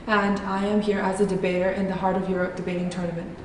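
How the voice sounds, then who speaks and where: A teenage girl from Hong Kong, a student debater, speaks in a steady, earnest voice that barely rises or falls. She is recorded from afar in a very echoey hall. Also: medium pitch, fast talker, slight background noise. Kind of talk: casual interview answers. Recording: very echoey hall, mic at a distance.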